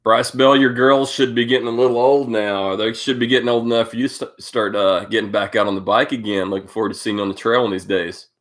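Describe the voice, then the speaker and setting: Congested deep-voiced man hosting a live stream. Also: fairly even intonation, fast, few pauses, a bit bright. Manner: rambling, greeting viewers by name, many fillers. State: congested from a cold. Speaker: host of a live cycling update stream. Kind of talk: casual live-stream chat.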